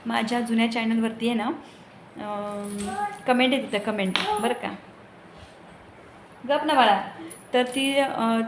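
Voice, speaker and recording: A woman, a mother and family vlogger, chatting casually to her viewers at home and talking straight to them, growing indignant when she complains. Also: on the high side. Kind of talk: casual chat to camera. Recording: roomy echo with faint background noise.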